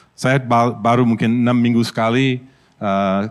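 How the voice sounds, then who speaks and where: This is a man at medium pitch. The recording is very clean, with a silent background. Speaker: pastor. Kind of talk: sermon. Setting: church. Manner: halting.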